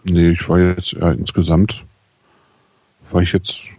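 Deep gravelly man, halting speech. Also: monotone, mellow, dry recording. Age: 40s. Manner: hesitant, halting with many fillers. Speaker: podcast co-host. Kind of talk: casual chat.

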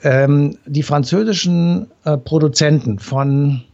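A man's voice: a little high, slow, gravelly, a little mellow, lo-fi sound. A man explaining history in a conversation, patient and step by step, with many fillers. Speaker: history expert guest.

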